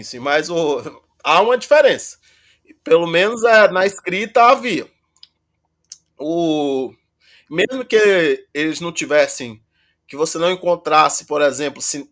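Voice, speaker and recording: A man teaching Greek in a casual online lesson, halting and self-correcting, reciting verb endings slowly. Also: fairly high pitch, fairly bright tone.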